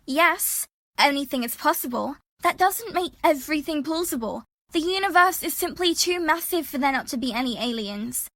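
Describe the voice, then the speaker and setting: A woman's voice: sits high, animated, normal speed, a bit bright, dry recording, clean studio sound. A woman playing an exasperated, sceptical young woman in an audio drama, sarcastic and matter-of-fact.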